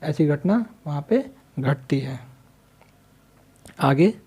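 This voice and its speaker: A man's voice: on the high side, animated, takes it slowly, mellow, husky. A man teaching a literature lesson, reading a line from a story and then explaining it in simple words, asking questions and answering them himself.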